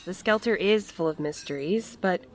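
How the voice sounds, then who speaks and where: A woman playing an earnest, conciliatory but determined friend in a naturalistic audio drama, speaking gently and with care. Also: fairly low pitch, moderate pace, lightly acted. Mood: earnest, resolute.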